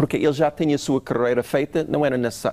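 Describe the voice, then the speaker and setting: A man's fairly high voice with an English accent and a dark, mellow tone, in a very clean recording with a silent background and a dry, close sound with no echo. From United States. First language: English (speaking Portuguese). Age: 60s. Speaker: novelist. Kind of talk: interview. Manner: halting.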